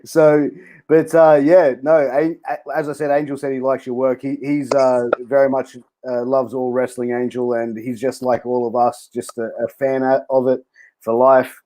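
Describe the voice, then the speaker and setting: A man's voice: medium pitch, little pitch movement, normal speed, mellow. A man hosting a casual podcast interview, chummy and friendly, peppering his talk with dude and bro. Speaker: podcast host.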